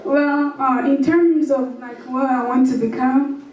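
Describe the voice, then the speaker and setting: A woman's voice: high voice, fairly even intonation, a little slow, a little mellow, muffled recording. A teenage girl leading a dance group, answering interview questions hesitantly with many ums. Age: teens. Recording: very echoey hall, distant mic.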